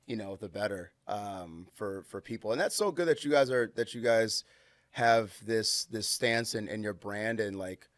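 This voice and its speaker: A man's voice: lowish voice, normal speed, no echo. A man hosting a podcast interview, chatty and affirming, with lots of fillers. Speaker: podcast host. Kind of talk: casual interview chat.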